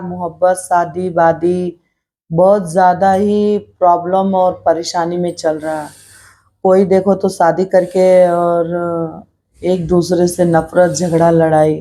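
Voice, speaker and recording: A woman's voice: fairly low pitch, mellow. A middle-aged woman talking earnestly to her viewers in a personal vlog, reflective and repeating herself as she speaks her mind. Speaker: vlogger. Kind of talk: personal vlog talk to camera.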